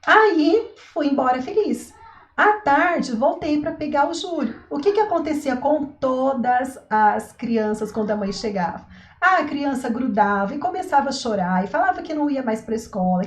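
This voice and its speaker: Woman, parenting educator, casual vlog talk, chatty and a bit high-pitched, roomy echo. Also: darkish tone, slight background noise. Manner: chatty, asks rhetorical questions, says "né" and "tá" often. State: throat itch, coughs now and then.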